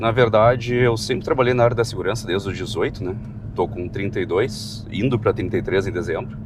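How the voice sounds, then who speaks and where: The speaker moves along fairly quickly, pitch varying in an ordinary way, while noticeable noise fills the background. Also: man. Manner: imposing.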